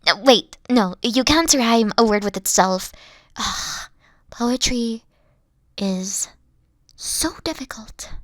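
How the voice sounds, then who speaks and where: High-pitched, dorky evil queen played by a woman. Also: takes it slowly, long pauses, no echo, clean studio sound. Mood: boastful, frustrated. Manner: pompous, theatrical, easily flustered. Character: dorky, haughty, secretly soft evil queen. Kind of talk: playful roleplay audio acting.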